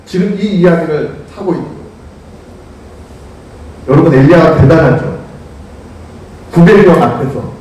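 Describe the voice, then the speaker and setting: A man preaching a lively storytelling sermon to young people, asking them questions and calling on them by name. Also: on the high side, moderate pace, pauses often. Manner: animated, asks listeners questions, calls on them by name. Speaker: youth pastor. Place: church sanctuary. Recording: echoey church hall, distant mic.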